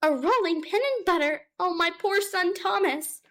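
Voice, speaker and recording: A woman voicing a tearful, fussy mother cat in a storybook reading, her voice pitched up high and wailing. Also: animated, a little slow, a bit bright, full character voice. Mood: anguished.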